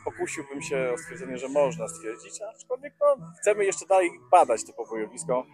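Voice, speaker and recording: This organizer of a metal-detecting rally, a man in his forties, has a husky, slightly mellow mid-range voice with big pitch swings, and he talks fairly quickly. He's interviewed in a summer garden on a lapel mic with no room sound, answering hesitantly with many fillers and restarts.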